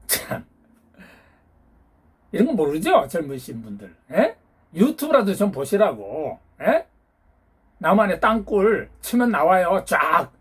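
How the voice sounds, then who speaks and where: Slow and sing-song, with long pauses, this man's high-pitched, slightly bright and husky voice carries a ranting political monologue. As a YouTube channel host, he lectures and hectors his listeners with challenging rhetorical questions.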